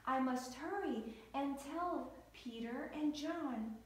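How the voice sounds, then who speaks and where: A woman's voice: high voice, slow. A woman voicing a grieving young woman who pleads tearfully for her lost friend. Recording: echoey church hall.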